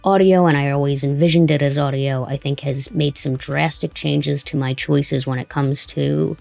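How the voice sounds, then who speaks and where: An interview host and audio drama writer with a creaky voice, talking conversationally. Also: mid-range voice, steady tone, moderate pace, a little mellow, faint music behind.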